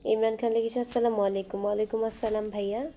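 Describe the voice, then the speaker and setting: A young woman hosting a casual live stream from her phone, reading viewer comments aloud and chatting back in a soft, quiet voice. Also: a little high, level tone, highs cut off. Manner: soft-spoken, talking quietly and slowly. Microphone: phone camera.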